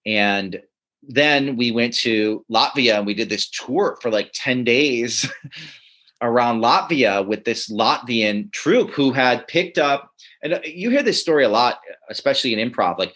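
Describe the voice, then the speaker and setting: A man who writes and teaches comedy, telling stories in a relaxed interview, often chuckling and restarting his sentences. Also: medium pitch, unhurried. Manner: animated, chuckling, many restarts. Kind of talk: casual interview storytelling.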